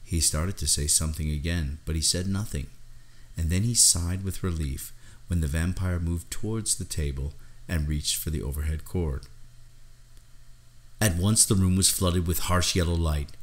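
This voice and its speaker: A man with a low-pitched voice reads gothic fiction for an audiobook. His delivery is scripted, measured and dramatic. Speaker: audiobook narrator, voice actor.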